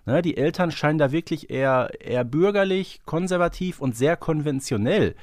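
A man's voice: fairly high pitch, lively intonation, normal speed, darkish tone, no room sound, studio quality. A man co-hosting a podcast, talking through a topic in casual, conversational speech. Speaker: podcast co-host.

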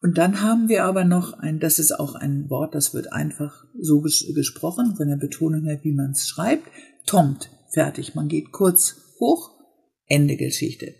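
A woman with a low, gravelly, very husky voice and a mellow tone. She explains pronunciation step by step, slowing down to model each word in a relaxed, conversational lesson. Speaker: Swedish teacher and podcast host.

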